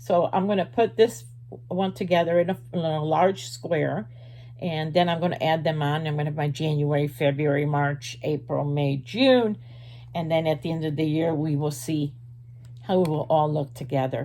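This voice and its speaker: Breathy to a degree, a woman speaks at a moderate pace with a very deep, low pitch, a dark, mellow tone and ordinary pitch variation. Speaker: crochet vlogger, cancer patient. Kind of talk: casual craft vlog to camera. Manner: halting, with many fillers.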